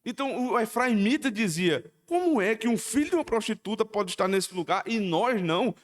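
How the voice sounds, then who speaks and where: Animated preacher, big church echo. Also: male voice, high-pitched, fairly quick. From Northeast Brazil. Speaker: pastor. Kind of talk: sermon. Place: church sanctuary. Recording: long hall reverb.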